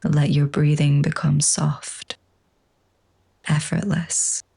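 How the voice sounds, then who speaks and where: Woman doing a yoga nidra meditation, super soft and mellow, creaky husky voice, gentle hushed instructions. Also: sits low, flat delivery, slow. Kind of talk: slow guided relaxation meditation.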